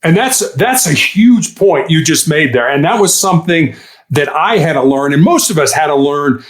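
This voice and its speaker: A man's voice: a little high, animated, moderate pace. A man, a guest and former hostage negotiator, talking casually in a podcast interview and explaining with examples, full of "you know" fillers.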